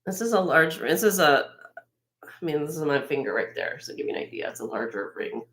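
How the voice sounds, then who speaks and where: A woman with a slightly raspy voice hosting a live jewelry sale, chatting casually and admiringly as she shows each piece, with frequent fillers and restarts. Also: low voice, big pitch swings, a little fast, fairly bright tone. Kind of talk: casual show-and-tell product presentation.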